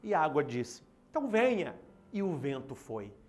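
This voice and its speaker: A man with a Brazilian Portuguese accent, a Catholic priest giving an Easter sermon, telling a parable slowly and with emphatic, dramatic delivery. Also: medium pitch, lively intonation, a little mellow, faint music behind. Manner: slow, dramatic, emphatic storytelling.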